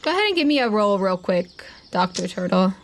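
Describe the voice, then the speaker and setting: A woman's voice: medium pitch, sing-song, fairly quick. A woman game master improvising narration for a tabletop roleplaying game in a casual, conversational way. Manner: casual, conversational, uses "like" often.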